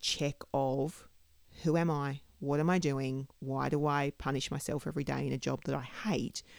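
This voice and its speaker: Speaking at a fairly slow pace, a woman with an Australian accent has a very deep, low pitch, heard in a very clean recording with a silent background. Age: 40s. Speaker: podcast co-host. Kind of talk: casual chat.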